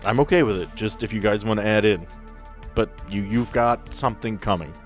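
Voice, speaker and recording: A man's voice: fairly low pitch, fairly quick, soft background music. A man acting as game master, casually narrating a tabletop game and talking rules with players.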